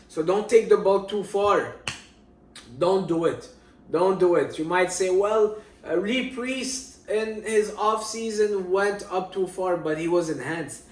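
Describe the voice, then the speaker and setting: A man from Syria in his thirties, giving fitness advice in casual talk to camera and repeating his key points. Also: on the high side. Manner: emphatic, repeats key points, addresses viewers as guys. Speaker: fitness vlogger. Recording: roomy, distant from the mic.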